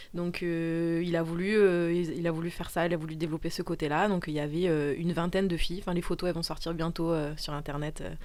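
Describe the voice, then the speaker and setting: With a slight southern French accent, a woman talks very fast at a fairly low pitch. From southeastern France (Toulon). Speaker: athlete. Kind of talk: casual chat. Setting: studio.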